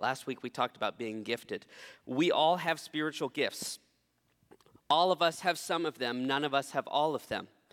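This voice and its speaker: Using an ordinary speaking voice, a man talks at a moderate pace with a fairly high pitch and ordinary pitch variation. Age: 20s. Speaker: pastor. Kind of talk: sermon. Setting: church.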